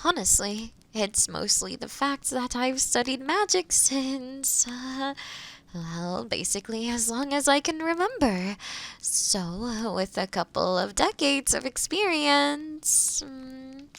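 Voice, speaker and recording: A woman playing a kind, skilled witch in an intimate roleplay audio drama, gently reassuring, with soft near-whispers and thoughtful murmurs. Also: sits high, lively intonation, slow, creaky, heavily acted. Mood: modest, warm.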